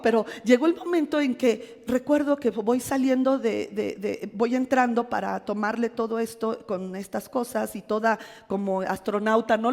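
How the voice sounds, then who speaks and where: A middle-aged woman pastor with a Mexican accent preaches with lively, self-mocking storytelling. Her voice sits high, and a long church-hall reverb trails each phrase. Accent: Mexican Spanish. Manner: animated storytelling with self-deprecating humor. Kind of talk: sermon with personal testimony.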